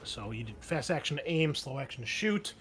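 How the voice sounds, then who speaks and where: A man's voice: medium pitch, sing-song, brisk, fairly bright tone, slight background noise. A man narrating a tabletop roleplaying game as game master, mixing descriptive scene-setting with informal rules talk.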